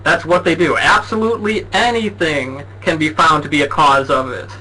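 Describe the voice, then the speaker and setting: A man with a bright, somewhat high voice explains things quickly and wryly on a casual talk show. A faint hiss sits under the recording. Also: rough recording. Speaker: co-host.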